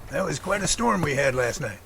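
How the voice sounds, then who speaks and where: A man's voice: on the high side, lively intonation, fairly quick, vocal fry, very noisy. A man playing a genial, folksy older professor in an amateur audio drama.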